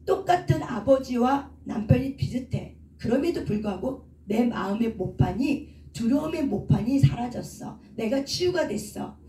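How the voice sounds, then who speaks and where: A woman's voice: fairly high pitch, expressive, normal speed, mellow, recorded from a distance, slight background noise. Woman preaching in an echoey hall. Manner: asks rhetorical questions and answers them herself. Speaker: counselor and preacher. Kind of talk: teaching sermon with questions to the congregation. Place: church prayer hall. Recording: echoey room, speaker away from the mic.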